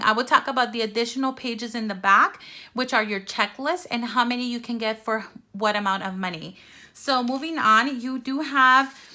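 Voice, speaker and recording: A woman with a Spanish accent speaks at a fairly quick pace and a high pitch. Her tone is bright and sharp, with ordinary pitch variation. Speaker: YouTuber and elementary teacher. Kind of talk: product review. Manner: animated.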